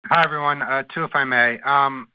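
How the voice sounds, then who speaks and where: A man's voice: mid-range voice, steady tone, a little fast, clean tone, dry recording. A man asking questions as a financial analyst on an earnings call. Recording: dull conference call line.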